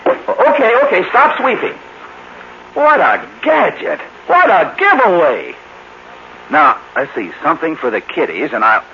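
Brash, wildly animated American radio showman. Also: a little high, measured pace, heavily acted. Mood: amazed, delighted. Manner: glib, showy, wheedling. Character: brash, excitable male TV comedian and game show host. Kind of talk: 1950s radio drama acting. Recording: dull, noisy old radio recording.

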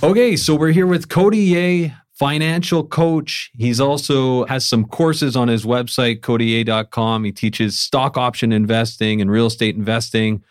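A man's voice: mid-range voice, fairly even intonation, normal speed, hardly any pauses, smooth, dry recording, soft background music. A man with a mid-range voice hosts a podcast. He talks casually and conversationally. The recording is close and very dry. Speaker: podcast host. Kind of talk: casual chat.

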